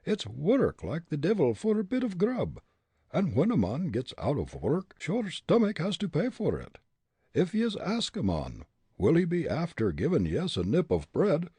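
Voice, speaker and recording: A man voicing a boastful, quick-tempered, superstitious Irish tramp with an Irish accent, full of indignant exclamations in a storybook reading. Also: fairly high pitch, warm tone, husky, dry recording, pitched above the performer's own voice, exaggerated voice.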